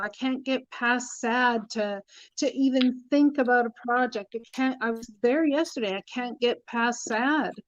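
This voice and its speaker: A middle-aged woman teaching tarot, talking earnestly in a casual spiritual chat, repeating her points for emphasis. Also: fairly high pitch. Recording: dull lo-fi sound.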